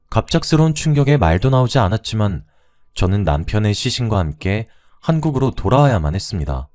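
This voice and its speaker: A man's voice: lowish voice, darkish tone. A man narrating a first-person listener story in a scripted radio-story style.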